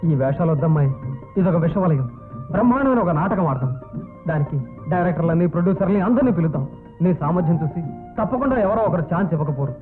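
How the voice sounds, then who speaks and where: A man's voice: on the high side, expressive, fast talker, lightly acted. A man playing an anxious, earnest young husband. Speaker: struggling theatre man, husband. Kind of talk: dubbed film drama. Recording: phone-like narrow sound with music.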